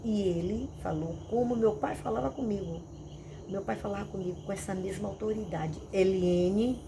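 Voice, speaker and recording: This missionary pastor speaks briskly in a mid-range voice with vocal fry, preaching a testimony. She recounts events animatedly, repeating lines for dramatic effect. The background is noisy, with crickets and insects chirping.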